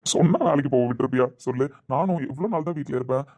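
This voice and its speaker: A man's voice: medium pitch, very fast, dark tone. A man speaking dramatic dialogue in an earnest, tender way. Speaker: actor in a family drama.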